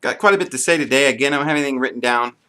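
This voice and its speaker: A man's voice: medium pitch, very fast, sharp tone, smooth. A man giving an unscripted, earnest monologue to camera, with frequent ums and restarts. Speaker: video blogger.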